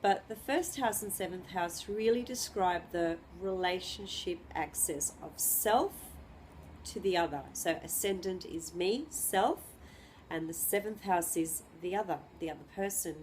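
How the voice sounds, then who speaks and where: Woman astrologer teaching, hoarse with flu. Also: lowish voice, a little slow, darkish tone, slight background noise. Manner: hesitant, many ums and restarts. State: has the flu, throat clearing. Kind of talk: unscripted astrology lesson.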